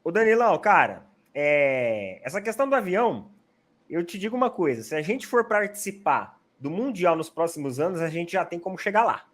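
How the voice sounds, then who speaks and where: A man's voice: high-pitched, big pitch swings, moderate pace, fairly bright tone. Chatty São man hosting. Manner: chatty, explains at length with many "né" fillers. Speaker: channel host, Palmeiras fan. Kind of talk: casual football chat.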